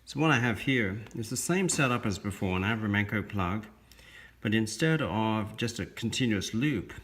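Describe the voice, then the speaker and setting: A man presenting a science video, explaining a demonstration step by step in measured, halting short phrases. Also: on the low side, animated, fairly bright tone. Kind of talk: explanatory narration of an electronics demonstration.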